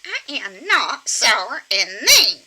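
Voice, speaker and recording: A sour old church lady puppet in her eighties, voiced by a woman ventriloquist. Her voice is high and piercingly bright, and it swings around as she smugly contradicts whoever is talking, in a comic stage-act manner. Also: big pitch swings, slow pace, breathy edge, heavily acted. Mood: indignant. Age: 80s. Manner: self-assured, contradicting busybody. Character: sour, mean but loving 86-year-old Southern church lady puppet.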